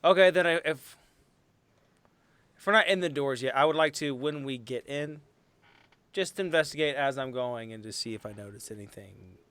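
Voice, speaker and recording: Smooth-voiced man chatting as a game player. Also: mid-range voice, moderate pace, pauses often, a bit bright, no room sound. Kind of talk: casual game chat.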